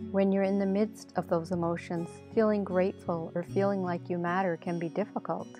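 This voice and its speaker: With music in the background, a woman speaks at a fairly quick pace in a fairly low pitch, her calm, soothing tone carrying ordinary pitch variation. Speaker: meditation guide. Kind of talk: guided meditation.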